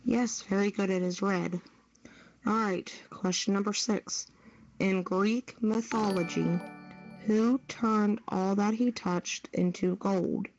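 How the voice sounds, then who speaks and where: A woman's voice: mid-range voice, steady tone, takes it slowly, darkish tone, no room sound, faint music behind. Woman, podcast quiz host, mid-range voice, dry and slightly muffled online recording. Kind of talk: quiz questions on a group podcast. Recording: dull, lo-fi online audio.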